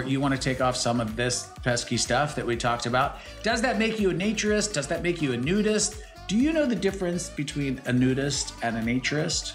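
The speech moves at a fairly quick pace. Faint music plays in the background. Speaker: podcast co-host. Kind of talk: casual vlog chat. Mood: playful, joking. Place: home room. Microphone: phone near.

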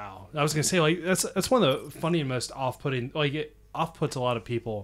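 A man talks in a Southern US accent with lively intonation. He leaves hardly any pauses. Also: fairly high pitch for a man, fairly quick pace. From US South. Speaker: podcast host. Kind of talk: casual chat. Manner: animated.

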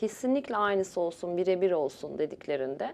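A woman is speaking. Her pitch swings very widely. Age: 30s. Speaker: boutique cake maker. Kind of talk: interview. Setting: studio.

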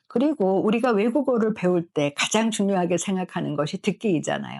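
A woman's voice with vocal fry, dry and close with no echo, over a quiet background. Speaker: psychiatrist. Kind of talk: lecture. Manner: formal.

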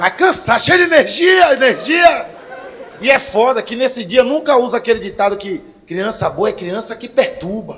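An animated man talks at a moderate pace in an extremely high voice, with very wide pitch swings and big swings in loudness. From Bahia, Brazil. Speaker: stand-up comedian. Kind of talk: stand-up comedy, crude jokes. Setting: stage with audience. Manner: animated, casual, profane, interacting with a baby in the crowd; acts out characters, playful exaggerated voices. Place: stage. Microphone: handheld.

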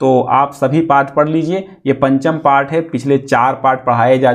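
A man of medium pitch talks in an unremarkable speaking voice. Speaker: Sanskrit teacher. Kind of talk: lecture.

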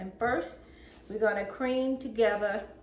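With audible room echo and light background noise, a woman speaks with ordinary pitch variation. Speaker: home cooking channel host. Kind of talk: tutorial. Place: kitchen. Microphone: camera far.

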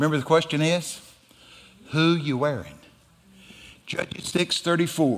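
With a Southern US accent, a man talks at a fairly slow pace and fairly high pitch, using fairly even intonation and long, frequent pauses. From Texas. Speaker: pastor. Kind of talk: sermon. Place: church.

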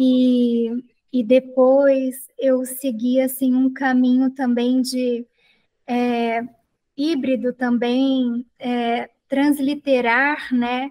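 The delivery is very slow, with flat, monotone intonation. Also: woman, high pitch for a woman. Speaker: dance program host. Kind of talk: online interview program. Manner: formal. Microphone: video call.

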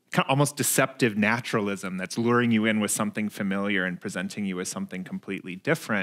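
Against a quiet background, a man with an American accent talks at a very fast pace with hardly any pauses, his fairly low pitch showing ordinary variation. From US Midwest. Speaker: museum curator. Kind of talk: live interview. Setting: stage with audience. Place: stage.

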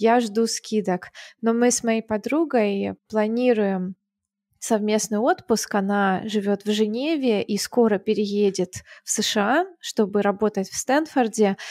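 A woman speaks at a very slow pace. The recording is very clean with a silent background, and the sound is dry and close with no echo. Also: fairly high pitch for a woman, ordinary pitch variation. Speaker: podcast host. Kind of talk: casual interview.

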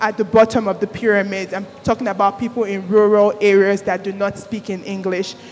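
Amid light background noise, a woman speaks in a monotone, flat delivery with a Nigerian accent. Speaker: panel moderator. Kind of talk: panel moderation. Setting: stage with audience. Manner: casual, filler-heavy. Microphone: handheld.

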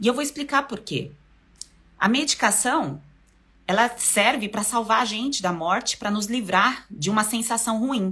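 A woman's bright, sharp, fairly high voice with lively intonation at a moderate pace. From Brazil. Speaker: nutritionist; nutrition educator. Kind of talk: educational talk. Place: home room. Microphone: phone near.

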